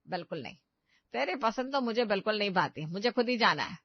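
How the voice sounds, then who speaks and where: A woman's voice: medium pitch, expressive, a little fast, no room sound. A woman playing a bossy, scolding mother-in-law. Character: sharp-tongued stingy older mother-in-law. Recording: dry, dull lo-fi sound.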